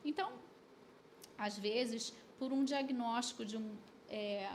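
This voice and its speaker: High-voiced woman explaining with care. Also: slight background noise. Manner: measured, gathers thoughts with fillers. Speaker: pediatric dentist and orthodontist guest. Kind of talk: explanatory podcast conversation. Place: podcast studio.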